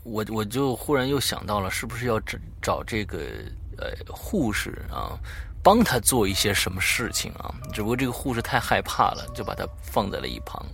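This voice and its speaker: A woman's voice: extremely low pitch, lively intonation, moderate pace, gravelly, a bit bright. A woman host chatting casually, murmuring along and musing hesitantly aloud. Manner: frequent short murmurs of assent, hesitant musing. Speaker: podcast host. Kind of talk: casual chat, reacting and musing.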